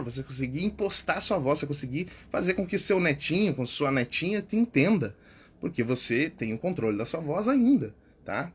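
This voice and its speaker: A man with a Brazilian Portuguese accent giving a casual lesson as a public speaking coach, repeating key words and tagging his phrases with quick check-ins. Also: on the high side, husky. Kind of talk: casual instructional talk.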